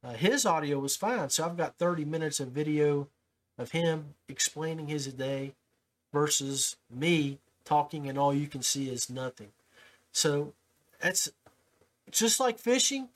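A man's voice: on the high side, expressive, unhurried. A man hosting a fishing podcast, talking in a folksy way and often repeating his first words. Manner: folksy, repeats words when starting sentences. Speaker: podcast host. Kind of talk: casual podcast interview. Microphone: call audio with his own mic.

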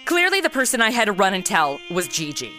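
With faint music behind her, a woman voices a twenty-something amateur detective in a comedy audio drama, speaking a little fast in a sharp, medium-pitched tone that swings wildly in pitch. The character is brash and flippant, and she delivers sassy, slangy, self-absorbed quips and wry narration.

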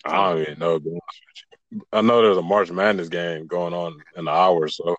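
A man co-hosting a casual podcast who chips in with brief, low-key remarks. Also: fairly even intonation, a little fast, a bit bright, dry recording. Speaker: podcast co-host. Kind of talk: casual chat. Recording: dull dry lo-fi sound.

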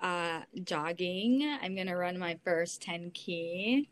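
A woman's voice: fairly low pitch, animated, slow, slight background noise. A woman from Belize, a guest on a casual talk show, speaking hesitantly with many fillers. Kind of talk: casual chat.

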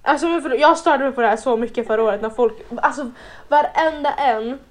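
A young woman from Sweden in casual chat, giggly and mocking people in quoted voices, mixing in English slang. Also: high voice.

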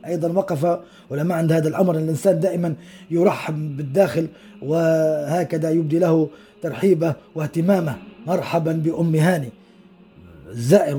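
A man's voice: on the high side, dark tone, husky. A man giving a podcast religious lesson, telling hadith stories with explanatory asides and acting out the quoted dialogue.

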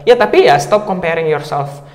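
A young man in his twenties from North Sumatra, a native Batak speaker, chatting casually as an interview guest in a lively way and dropping in English words. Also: fairly high pitch. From North Sumatra, Indonesia. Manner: lively, fast talker mixing in English words. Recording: reverberant room.

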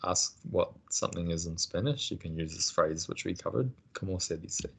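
A man teaching a casual language lesson, patient and encouraging, explaining things slowly. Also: low voice, expressive, creaky, fairly bright tone, breathy edge.

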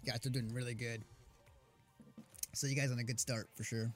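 A man's voice: medium pitch, little pitch movement, fairly quick, no echo, soft background music. A man chatting casually and encouragingly on a voice call, with plenty of filler words. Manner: upbeat, encouraging, lots of "like". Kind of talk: casual chat.

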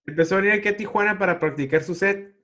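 A man's voice: sits high, racing, sharp tone. A man, hosting a casual chat in a laid-back, slangy way. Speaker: interviewer, comedy podcast host.

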